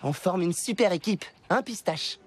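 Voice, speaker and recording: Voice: medium pitch, lively intonation, moderate pace, lightly acted. An actor voicing a friendly, playful young pet owner in a French cartoon. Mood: playful, affectionate. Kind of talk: French animated cartoon dub acting. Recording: music behind the voice.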